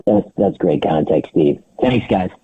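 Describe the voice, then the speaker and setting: Tentative, polite male caller, creaky and fairly low, on a noisy telephone line. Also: expressive, a little slow. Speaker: financial analyst asking questions. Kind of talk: spontaneous questioning on a conference call. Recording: noisy narrow phone line.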